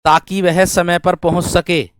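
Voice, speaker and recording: A man's voice: high voice, little pitch movement, a little slow, smooth, no echo. A man giving a classroom grammar lesson, dictating example sentences, repeating phrases and often checking that students follow with familiar rhetorical questions. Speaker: Hindi grammar teacher.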